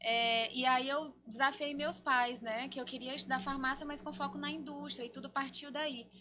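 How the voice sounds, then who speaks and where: A woman's voice: high-pitched, fairly even intonation, normal speed. A Brazilian woman from Maranhão, talking casually as a guest in an interview. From Maranhão, northeastern Brazil. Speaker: cosmetics entrepreneur guest.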